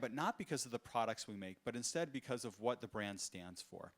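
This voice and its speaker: A man speaks on a conference stage, in a voice of ordinary middle pitch. He tells personal stories earnestly and often pauses on fillers or restarts a phrase. It sounds like a keynote from a business summit. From United States. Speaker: entrepreneur giving a conference talk.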